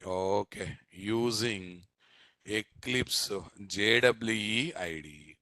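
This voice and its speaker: Slow, forceful Telugu-accented Indian male instructor. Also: lowish voice, no room sound. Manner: emphatic, repetitive, quizzing listeners with tag questions. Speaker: software instructor. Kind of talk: live programming lesson with repeated check questions.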